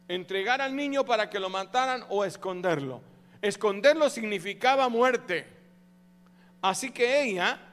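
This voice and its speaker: A pastor preaching a sermon to his congregation, animated and calling out to the audience for responses. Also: high-pitched, big-room sound, slight background noise. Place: church.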